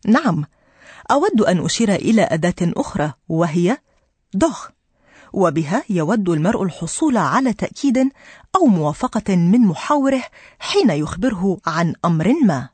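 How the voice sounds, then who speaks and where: A woman teaches a language lesson for radio, her voice slightly husky and pitched on the low side. She explains patiently and clearly, with lively rising and falling intonation, in a dry studio sound. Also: moderate pace, no room sound.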